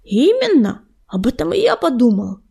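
A woman voicing an excitable male warrior cat reporting back from a patrol. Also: high voice, normal speed, creaky, full character voice. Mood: excited. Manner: excited, breathless.

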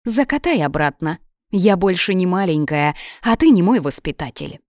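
A woman voicing a feisty, cheeky young red-haired woman with squeaky, loud retorts in an audiobook. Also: very animated, moderate pace, no echo, clean studio sound. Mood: defiant.

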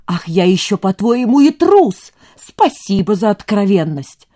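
A woman reading an audiobook, voicing a defiant teenage boy who shouts in a thin, breaking voice. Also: high-pitched, big pitch swings, normal speed, pitched above the performer's own voice. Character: hysterical defiant teenage boy, car thief.

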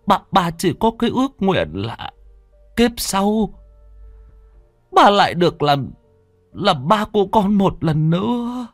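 A man voicing a frail, sick old father who speaks slowly with a trembling, pleading voice. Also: sits high, sing-song, no room sound, faint music behind, pitched above the performer's own voice, heavily acted. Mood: sorrowful. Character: frail disabled old father, gravely ill and resigned.

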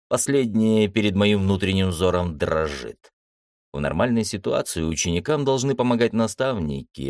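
Deep-voiced man reading a fantasy audiobook. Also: darkish tone, no room sound, clean studio sound. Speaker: audiobook narrator. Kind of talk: first-person audiobook narration.

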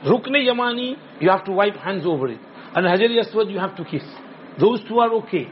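High-pitched South Asian man teaching religion. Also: expressive, a little fast. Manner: repetitive, instructive, with frequent check-in questions. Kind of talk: informal religious lesson with question and answer. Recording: dull lo-fi sound with background noise.

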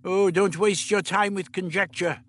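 A man voicing an irritable elderly male time traveller who lectures in a brisk, clipped, scolding way. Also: sits high, expressive, a bit bright, pitched above the performer's own voice. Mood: lecturing.

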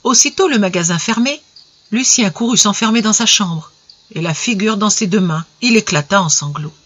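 A storyteller reads an old tale at an even, measured pace, giving the lines gentle expression. The recording is dull and lo-fi, with a muffled top end. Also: mid-range voice, slightly rough. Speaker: narrator. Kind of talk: audiobook story reading.

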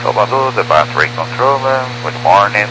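A man's voice: on the low side, lively intonation, unhurried. A man speaking as a pilot, making clipped radio calls and readbacks in police-radio style. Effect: two-way radio transmission. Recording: noisy radio with mains hum.

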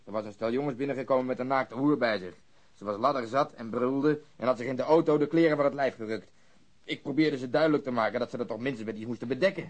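A gruff, sardonic detective in a police radio drama, played by a man. His voice is mid-pitched and the delivery is blunt and coarse. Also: quick pace, close to an everyday voice. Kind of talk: Dutch radio drama dialogue.

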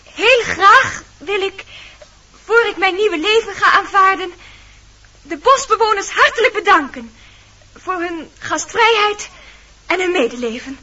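Gentle young fairytale princess, high bright voice, lyrical verse, old radio drama. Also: female voice, expressive, a little slow, pauses often, full character voice. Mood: grateful. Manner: lyrical, carefully declaimed. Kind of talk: theatrical verse radio play acting. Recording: dull old radio recording.

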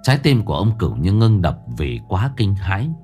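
A man narrating a ghost story in an expressive, dramatic way. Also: sits low, brisk. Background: faint music.

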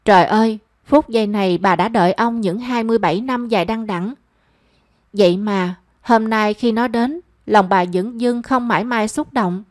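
A woman reading a romance story aloud as narrator, in a measured and expressive storytelling manner. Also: mid-range voice, no room sound, studio quality.

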